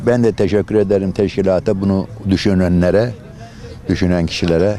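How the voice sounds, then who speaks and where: With music audible behind him, a man talks at an unhurried, moderate speed. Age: 80s+. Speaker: retired police chief. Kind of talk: interview answer.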